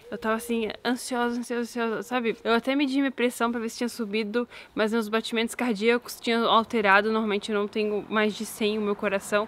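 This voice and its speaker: A woman's voice: a little high, a bit bright. A young pregnant woman chatting outdoors to her viewers in a casual vlog, anxious, repeating words as she talks. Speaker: vlogger. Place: outdoors in a garden.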